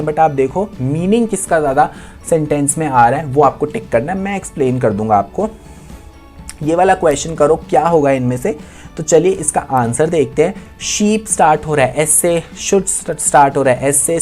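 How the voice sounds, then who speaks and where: Male online tutor, quiz-style delivery, repeats points, soft music bed. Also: fairly high pitch. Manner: quizzing students, repeats points, frequent check-ins. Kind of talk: exam-prep lesson.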